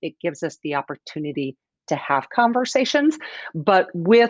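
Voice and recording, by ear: At a moderate pace, a woman with a fairly low pitch speaks with lively intonation in a dry, close sound with no echo.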